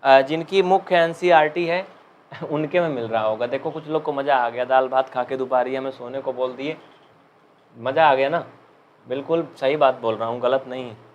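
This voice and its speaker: A young man with an Uttar Pradesh Hindi accent teaching maths in a live online class, chatting and joking, and dictating slowly. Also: mid-range voice, lo-fi sound, a little hiss or hum.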